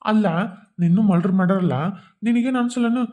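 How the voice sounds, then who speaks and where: A man's voice: high-pitched, quick pace, mellow, lightly acted. A man voicing a grieving male ghost in a cartoon, a betrayed husband, speaking North Karnataka Kannada in a wailing, complaining manner. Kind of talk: cartoon voice acting.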